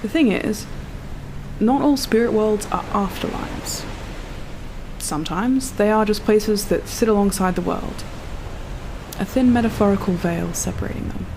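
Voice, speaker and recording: Female, self-assured perfectionist spaceship designer, lofty audio-drama monologue, medium pitch. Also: creaky, background noise. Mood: musing, wonder. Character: proud, dreamy, perfectionist artist designing a spaceship.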